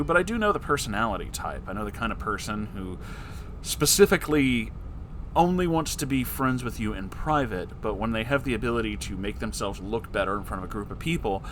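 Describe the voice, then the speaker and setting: A man's voice: on the low side, fairly bright tone, slight background noise. A man hosting a letter-reading show, performing listeners' letters expressively and answering with wry, conversational advice. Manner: theatrical, wry asides.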